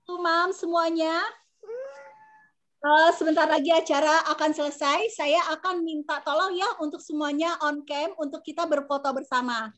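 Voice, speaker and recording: A woman's voice: high-pitched, steady tone, moderate pace, a bit bright. A woman with an Indonesian accent hosting an online class on a video call in a chatty, encouraging, informal way.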